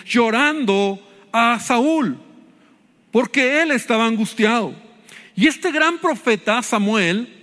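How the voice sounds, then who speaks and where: A man's voice: very high voice, fairly bright tone, big-room sound. A man with a Mexican Spanish accent preaching a sermon as pastor, addressing his listeners as brother.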